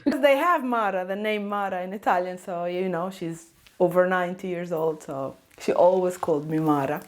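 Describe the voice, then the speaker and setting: A woman's voice: on the low side, fairly quick. A woman in her thirties, an Arabic teacher guest, chatting in a casual interview, laughing often and dropping Arabic words into her English. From Arab world.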